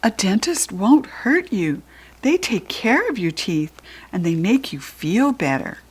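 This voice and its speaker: A kind young fairy speaks earnestly and firmly in a bright, raised voice, as a woman reads her part. Her voice is slightly breathy. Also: medium pitch, big pitch swings, a little slow.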